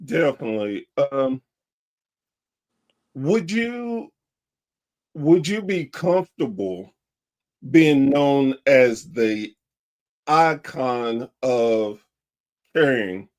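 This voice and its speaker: Slow talking guy hosting a podcast, restarts a lot, heaps praise on his guest. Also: mid-range voice, very animated. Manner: warm praise, halting restarts. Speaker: podcast host. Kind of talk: casual interview talk.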